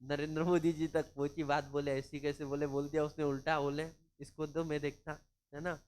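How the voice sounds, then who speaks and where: A man's voice: fairly high pitch, little pitch movement, moderate pace, a little mellow. A man from Maharashtra, teaching law in a chatty, informal lecture, mixing in English and acting out anecdotes. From Maharashtra, India. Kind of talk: casual classroom lecture.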